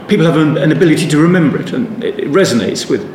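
A man's voice: fairly high pitch, sing-song, very fast, darkish tone. Man teaching Bible study, echoey room. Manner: rambling, thoughtful, frequent restarts and asides. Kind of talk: unscripted Bible study talk. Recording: echoey room with faint ambient noise.

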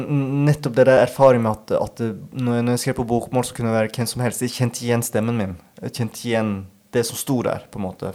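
A man, an author and podcast guest, speaking in a thoughtful, halting way and often searching for his words. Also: mid-range voice, darkish tone. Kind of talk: reflective interview talk.

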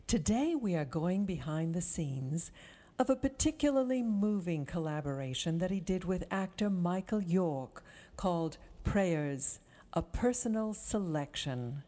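A woman hosting an interview show, speaking in a measured, articulate presenter's manner. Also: lowish voice, lively intonation, dark tone. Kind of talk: scripted introduction and interview.

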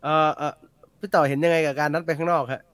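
A man's voice: on the high side, steady tone, fast talker, fairly bright tone, smooth, dry recording. A man in casual co-host banter, jokey and teasing, mixing polite phrasing with swearing.

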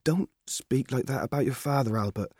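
A man's voice: medium pitch, normal speed, a little mellow, breathy edge, no echo, studio quality, voice pushed up. A man voicing an anxious, stern farmer's wife and mother in a storybook reading. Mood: anxious, scolding. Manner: scolding, anxious. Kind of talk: audiobook character voice.

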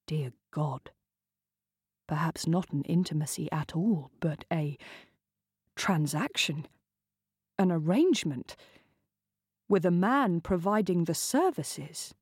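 A woman reading a novel aloud in slow, measured scripted narration. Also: lowish voice, animated, a little mellow, slightly rough, no room sound, clean studio sound. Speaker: reader.

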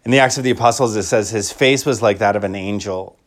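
A man's voice: lowish voice, fast talker. This is a man in the role of a Catholic priest, delivering liturgical reading and preaching. His manner is reflective. He often repeats a phrase to give it emphasis. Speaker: Catholic priest giving a homily. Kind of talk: liturgical Gospel reading and homily.

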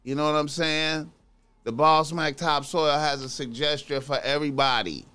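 A man's voice: on the high side, fairly even intonation, moderate pace, pushed and bright, clean tone, faint music behind. A man giving casual reaction commentary as a commentator, in slangy talk that keeps circling back to repeated phrases.

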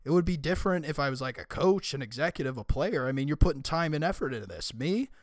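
Raspy, hoarse man hosting a podcast. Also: a little high, lively intonation, fast, no echo, clean studio sound. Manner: opinionated, conversational, emphatic. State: hoarse from screaming and illness. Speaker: podcast host. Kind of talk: casual solo podcast monologue.

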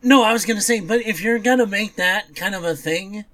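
A man's voice: high voice, a little fast, sharp tone. A man co-hosting a podcast in casual chat, talking emphatically and repeating points for stress. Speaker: podcast co-host. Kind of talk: casual chat reviewing superhero TV.

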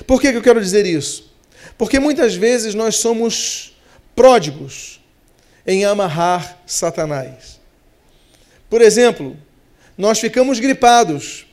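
Preaching from the pulpit, this male pastor has a Brazilian Portuguese accent and a high-pitched, somewhat mellow voice. Important words get stretched out, while side remarks are hurried.

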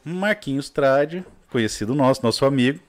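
A man with a Brazilian Portuguese accent, talking in a casual chat as a guest, blunt and swearing freely while telling animated stories. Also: medium pitch, normal speed.

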